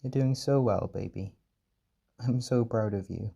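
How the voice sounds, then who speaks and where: A man playing a gentle, doting caretaker in a comfort roleplay audio, speaking softly and breathily with tender, coaxing reassurance. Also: lowish voice, a little slow, vocal fry, slightly rough, exaggerated voice. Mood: gentle, encouraging. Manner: tender, reassuring, coaxing, uses pet names. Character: gentle doting male caretaker soothing an overwhelmed partner.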